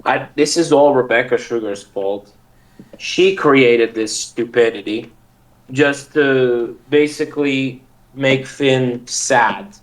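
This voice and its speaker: A man in a casual chat on a call, speaking haltingly and laughing between phrases. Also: mid-range voice, low-quality recording. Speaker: guest on a call.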